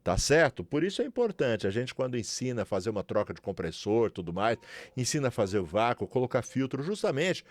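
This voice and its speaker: A man from Brazil teaches refrigeration in a casual, sales-minded tutorial, his São Paulo accent clear as he keeps asking "certo?" and "beleza?". The dry recording carries his medium-pitched voice, which is brisk and very animated.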